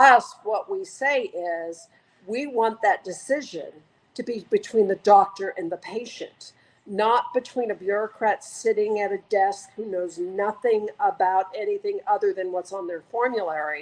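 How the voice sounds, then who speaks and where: At a fairly slow pace, a woman speaks with a fairly high pitch, ordinary pitch variation and a normal speaking voice. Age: 60s. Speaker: nonprofit executive director. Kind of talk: interview.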